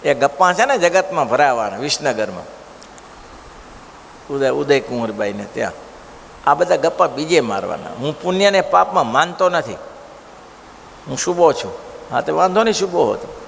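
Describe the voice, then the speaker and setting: A male preacher giving a devotional scripture discourse, telling stories in an animated way and asking the listeners rhetorical questions. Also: a little high, moderate pace, creaky, long pauses. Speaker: religious preacher. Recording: long hall reverb, faint noise.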